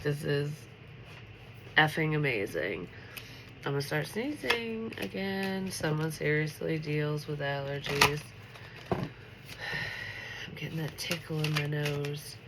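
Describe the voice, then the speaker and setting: Stuffy-nosed woman doing a chill late night tarot reading, kinda fry-y, lots of likes and ums, noisy recording. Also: low-pitched. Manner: chatty and upbeat, full of filler words. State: stuffy, congested nose. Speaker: tarot reader. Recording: steady background noise.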